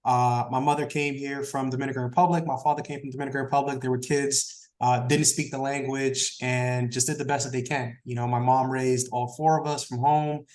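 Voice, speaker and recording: A man, a Spanish speaker, talking as an interview guest in a relaxed, rambling way full of fillers. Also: mid-range voice, fairly quick, few pauses, roomy sound. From Brooklyn, New York. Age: 30s. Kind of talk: casual interview talk.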